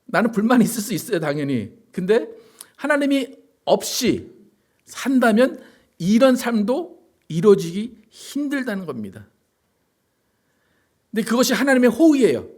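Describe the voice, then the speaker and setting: A man's voice: sits high, very animated, normal speed, long pauses, darkish tone. A male pastor giving a sermon in a conversational way, often asking the congregation rhetorical questions. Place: church sanctuary.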